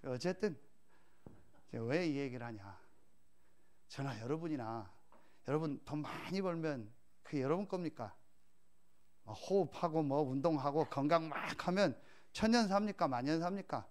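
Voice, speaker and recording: A male pastor delivering a sermon, telling stories and rising to loud, emphatic rhetorical questions. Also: on the high side.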